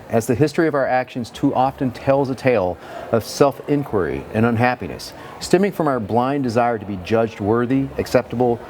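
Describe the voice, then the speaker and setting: A man's voice: mid-range voice, darkish tone, a little hiss or hum. A man reading a scripted inspirational manifesto aloud.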